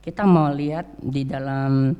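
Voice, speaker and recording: A man's voice: medium pitch, steady tone, unhurried, clear, resonant tone, highs cut off. A man preaching a sermon in a church, talking conversationally with many "ya" and "eh" fillers as he tells stories. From Indonesia. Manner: frequent "ya" and "eh" fillers, conversational storytelling. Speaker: religion teacher.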